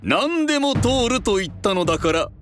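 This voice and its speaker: A pompous old lord, lilting slow drawl. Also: male voice, very high-pitched, big pitch swings, fairly bright tone, faint music behind, heavily acted. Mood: testing. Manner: old-fashioned lordly speech, hearty. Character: pompous, playful older feudal lord, male. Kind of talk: children's folk tale audio drama.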